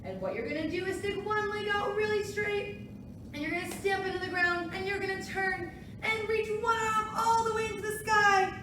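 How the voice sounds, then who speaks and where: A woman's voice: very high voice, moderate pace. A woman hosting a children's storytime, talking as if reading to a toddler, in simple phrases with exclamations and playful asides. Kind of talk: reading to young children, sing-song picture-book reading and simple instructions. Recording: roomy, noisy, distant microphone.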